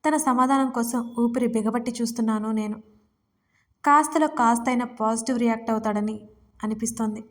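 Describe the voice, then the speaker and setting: A woman narrator telling an audio story in the first person. Her delivery is expressive and emotional. Her voice sits fairly high. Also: fairly quick. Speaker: writer and narrator.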